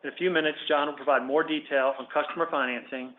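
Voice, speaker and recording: A man's voice: on the high side, steady tone, quick pace. A man reading prepared remarks as a senior company executive, in a formal, businesslike manner. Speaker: company chief executive leading the call. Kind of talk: scripted earnings call presentation. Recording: phone-like conference call line.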